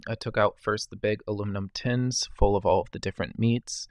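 A man's voice: on the low side, steady tone, a little fast, darkish tone, dry recording. A man narrating a voice-over review of a delivery gig, explaining things step by step in a matter-of-fact way. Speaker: delivery driver vlogger.

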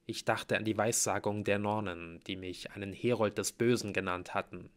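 A man reading a novel aloud as an amateur audiobook narrator, in a lively storytelling manner. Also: on the low side, moderate pace. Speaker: audiobook reader.

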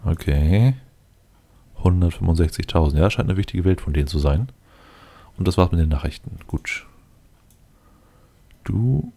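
A man's voice: low-pitched, lively intonation, moderate pace, vocal fry, long pauses, warm tone. A man giving casual gameplay commentary, thinking aloud and muttering to himself as he plays. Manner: muttering to himself, addressing game units directly. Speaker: let's player commenting on his game.

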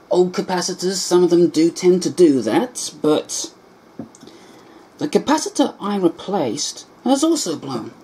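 A woman's voice: fairly low pitch, warm tone, breathy edge, rough recording. A woman narrating a hands-on repair in an explanatory, step-by-step manner, as a vlogger. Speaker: vlogger repairing vintage electronics. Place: indoor home workshop.

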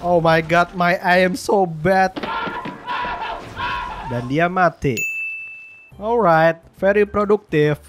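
Excitable gamer guy commentating. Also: high-pitched, slow pace, long pauses, over music. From Indonesia. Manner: excitable, slangy, swears in English often. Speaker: gaming YouTuber. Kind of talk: casual gameplay commentary.

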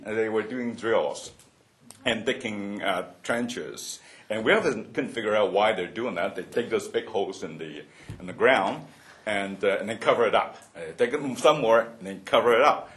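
A man in his seventies from Hong Kong, sharing childhood memories at a roundtable, with many fillers and restarts and frequent chuckles. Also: lowish voice. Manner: halting, many fillers and restarts, laughs often. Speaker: roundtable speaker. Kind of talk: personal reminiscence at a panel.

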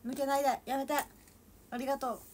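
A woman's voice: high-pitched, little pitch movement, fast talker, a little mellow, a little hiss or hum. A young woman from Toyama with a Toyama accent, chatting casually with viewers on a livestream and giggling often. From Toyama, Japan. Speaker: idol livestreamer. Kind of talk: casual livestream chat reading comments.

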